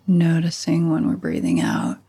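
A woman leading a guided meditation as a teacher, giving gentle instructions with long pauses. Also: low-pitched, sing-song, vocal fry, slightly rough.

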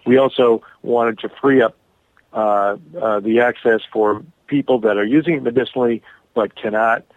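A man's voice: medium pitch, steady tone, no echo. Man calling in over a bad phone connection. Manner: halting, many pauses and restarts. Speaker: caller to a radio show. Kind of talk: call-in radio interview. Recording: tinny dry phone line.

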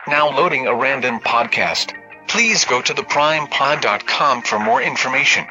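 A man's voice: medium pitch, lively intonation, normal speed, bright, forceful tone, muffled recording, faint music behind. A man voicing an automated phone menu, reading prompts evenly and politely.

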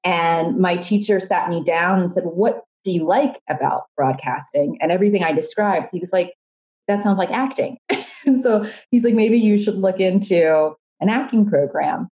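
A woman's voice: fairly low pitch, moderate pace, warm tone. A young woman from Jamaica and Florida, a guest in a casual interview, telling her story in a rambling way with frequent laughs.

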